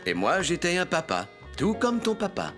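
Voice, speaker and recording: Casting: kindly cartoon grandfather, deep, hugely animated, playful delivery, music underneath. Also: normal speed. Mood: warm, surprised. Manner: playful, expressive storytelling to a small child. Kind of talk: children's cartoon dubbing.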